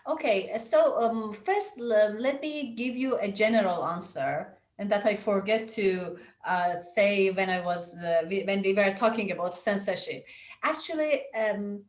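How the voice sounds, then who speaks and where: A woman from Iran with a Persian accent, answering interview questions as a writer in halting English, often searching for words. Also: mid-range voice. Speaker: interviewed playwright and screenwriter. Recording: echoey room.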